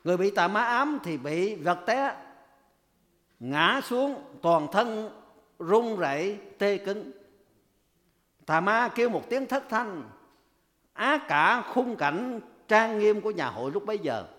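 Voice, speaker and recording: A man's voice: sits high, lively intonation, slow pace, pauses often, fairly bright tone. A man preaching a sermon, asking the congregation rhetorical questions and raising his voice when he quotes. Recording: long hall reverb.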